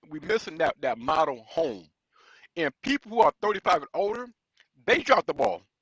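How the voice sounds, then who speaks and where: Raising and projecting his voice, a man with an American accent talks at a moderate pace in a high, bright, sharp tone with very wide pitch swings. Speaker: community outreach minister. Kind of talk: talk show interview. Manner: passionate, animated; halting, repeats words.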